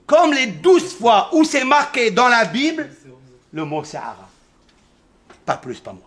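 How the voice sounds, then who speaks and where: A man's voice: sits high, fairly bright tone. A man giving a Torah lesson in a synagogue, firing questions at his listeners, answering them himself and repeating key numbers emphatically. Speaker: rabbi teaching a Torah class. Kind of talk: lively Torah lesson to a congregation.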